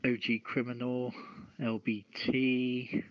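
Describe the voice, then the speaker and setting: Slow-talking man on a phone-like line. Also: medium pitch, little pitch movement, no echo. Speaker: podcast host. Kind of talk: reading news and show sign-off. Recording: phone-like lo-fi streamed voice channel.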